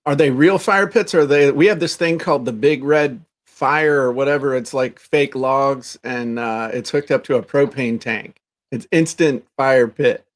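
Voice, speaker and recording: A man's voice: mid-range voice, normal speed. A man co-hosting a podcast, chatting casually in a blunt, colloquial way. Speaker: podcast co-host. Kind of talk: casual chat.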